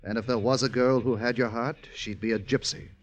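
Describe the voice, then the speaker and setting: A man's voice: medium pitch, fairly even intonation, fairly quick, dull audio, lightly acted. Male actor, cold, needling gypsy cousin for radio play, mid-range voice, terse menace, dulled old recording. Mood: needling, suspicious. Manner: clipped, insinuating, stern. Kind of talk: 1950s radio drama acting.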